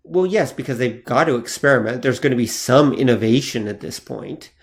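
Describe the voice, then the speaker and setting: Male podcast co-host, measured and attentive, middle pitch, looks things up while he talks. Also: vocal fry. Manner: attentive, reads out facts with hesitant fillers. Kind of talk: casual chat.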